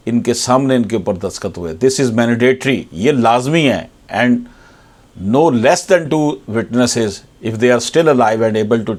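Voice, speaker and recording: A man with a Pakistani accent explains law to viewers like an advocate, formally, repeating key points and switching into slowly read English. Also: mid-range voice, a little mellow. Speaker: advocate presenting legal explainers. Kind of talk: explanatory legal lecture to viewers.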